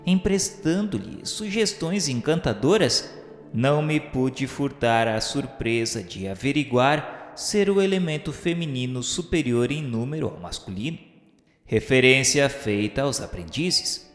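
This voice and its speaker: A man's voice: mid-range voice, expressive, unhurried. Brazilian man narrating solemnly in echoing reverb. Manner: formal, literary delivery. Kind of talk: solemn scripted narration of a spiritist radio novel. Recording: echoey hall-like reverb. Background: music.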